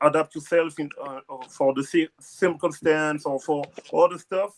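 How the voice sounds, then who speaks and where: A man speaks in a French accent at a moderate pace, his pitch fairly high and his intonation fairly even. The sound is dry and close with no echo. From Brussels, Belgium, Congolese parents. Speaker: rapper and activist. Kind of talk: casual panel discussion. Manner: halting, repeating words.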